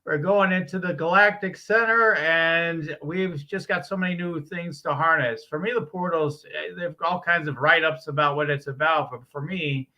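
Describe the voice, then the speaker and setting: A man's voice: a little high, moderate pace, hardly any pauses, sharp tone. A middle-aged man, a business coach and guest, talking earnestly and upbeat about spiritual ideas. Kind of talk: casual interview talk.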